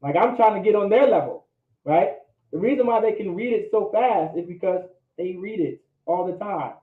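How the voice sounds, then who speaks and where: A man's voice: high-pitched, lively intonation, normal speed. A man teaching a language class, often checking in with "all right?" and pressing his points. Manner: repeats "all right?" to check understanding, emphatic. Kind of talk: classroom lecture. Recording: echoey room, phone-like audio.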